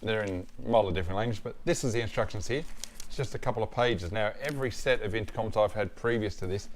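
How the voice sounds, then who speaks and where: A man's voice: lowish voice, fast talker, a little hiss or hum. An Australian man giving a casual product review as a motorcycle gear reviewer, plain-spoken and matter-of-fact.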